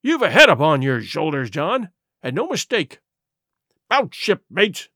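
A man voicing a superstitious pirate crewman with urgent, rough sailor's talk. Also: fairly high pitch, wildly swooping pitch, unhurried, sharp tone, no echo, studio quality, full character voice. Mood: relieved.

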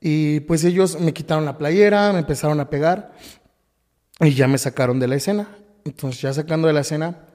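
A man with a Mexican Spanish accent, a podcast guest telling a painful personal story, halting, with frequent restarts and repetitions. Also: a little high, dark tone, long reverb tail.

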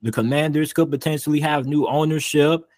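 A man's voice: a little high, fairly even intonation, fairly quick, a little mellow, no room sound. A man hosting a sports podcast, chatting in a laid-back, slangy way. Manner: laid-back, slangy, says "you feel me". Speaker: podcast host. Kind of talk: casual podcast chat.

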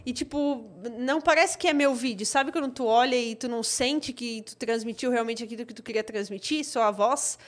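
A woman's voice: a little high, brisk, few pauses. A young woman, a content creator, chatting casually as an interview guest, talkative and full of fillers.

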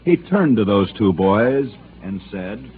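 A man's voice: on the low side, big pitch swings. Dramatic old-time radio storyteller, man. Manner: theatrical storytelling with emphatic pauses. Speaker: sports storyteller host. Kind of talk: dramatic scripted radio narration. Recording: tinny old radio broadcast with hiss.

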